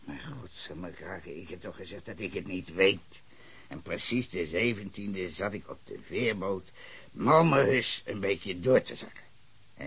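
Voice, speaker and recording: An actor playing a hostile, cursing bar owner in his fifties in a radio play, shouting and then muttering. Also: deep voice, animated, measured pace, husky, exaggerated voice. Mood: grumbling. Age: 50s. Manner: cursing, ranting, swings between shouting and muttering. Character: foul-mouthed hostile older male bar owner, drunken ranter.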